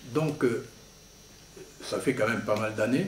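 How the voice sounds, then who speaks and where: At a medium pitch, a man talks amid audible room echo and noticeable background noise. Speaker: political activist speaker. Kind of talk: conference talk.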